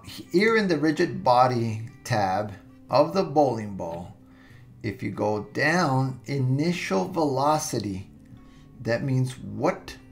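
A man walking through a software tutorial step by step, relaxed and thinking aloud with fillers and restarts, recorded at his computer with soft music underneath. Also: medium pitch, vocal fry.

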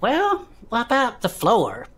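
A woman's voice: a little high, huge pitch swings, takes it slowly, husky, heavily acted. A woman voicing an easygoing male adventurer with slangy, laid-back talk, in an audio drama.

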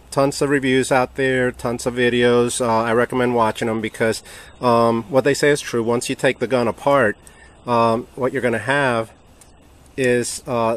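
Relaxed man, halting hobby tool review. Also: mid-range voice. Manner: relaxed, hesitant, many ums and uhs. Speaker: hobby channel host reviewing tools. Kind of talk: casual hands-on product comparison.

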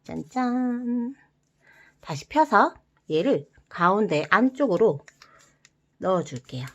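A woman guiding viewers through a paper-folding craft step by step, gentle and encouraging, with playful sound words. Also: mid-range voice, big pitch swings, slow, highs cut off. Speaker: origami instructor.

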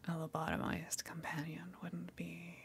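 A woman playing a gentle, coaxing eldritch tentacle monster in an ASMR roleplay, speaking hesitantly and considerately with long pauses. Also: lowish voice, completely flat delivery, vocal fry, slight background noise. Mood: hesitant, cautious.

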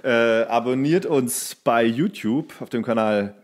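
A man's voice: mid-range voice, unhurried. Wry, teasing man chatting on a podcast. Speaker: podcast co-host. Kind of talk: casual comedic chat.

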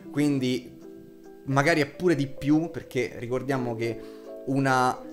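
Young male vlogger, twenties. Mid-pitched, informal, slangy review delivery over clear guitar music. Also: unhurried. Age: 20s. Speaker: YouTube reviewer. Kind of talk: casual spoken TV series review. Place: small home room with shelves, indoors. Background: background guitar music.

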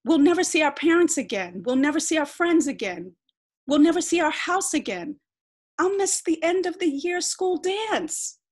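A woman's voice: mid-range voice, measured pace, breathy edge. A woman voicing an exasperated teenage girl who rants indignantly at her brother. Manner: indignant, emphatic ranting.

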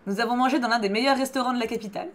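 A woman reading aloud the lines of a young male French singer, a tender lover, in a plain calm voice. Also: on the high side, rapid-fire, lightly acted. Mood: thoughtful. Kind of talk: reading visual novel dialogue aloud.

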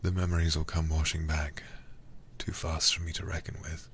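Casting: male actor as tired, devoted knight for intimate ASMR role-play; low, gravelly, halting, tender delivery. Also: flat delivery, a little hiss or hum, heavily acted. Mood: tender, wistful. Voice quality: breathy soft voice with gravelly low edge. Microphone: close microphone.

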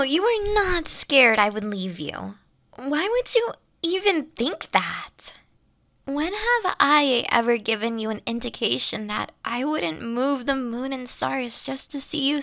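A woman acts out a caring young witch girlfriend in an intimate ASMR roleplay. Her soft voice is unhurried and frayed with vocal fry, slipping into whispers. It sits very close and dry on the microphone, tender, coaxing and a little teasing. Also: high voice, no room sound, full character voice. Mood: hurt, scolding. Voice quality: soft, breathy, often dropping to whispers.

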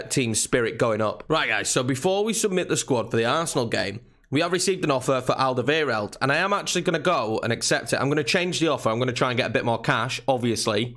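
A young man with a fairly high voice, a touch nasal and croaky from a cold. He commentates his own football video game in a chatty, easygoing way from a desk at home, lifting his voice when a chance comes. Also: fairly bright tone. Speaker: gaming channel host. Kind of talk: casual gameplay commentary.

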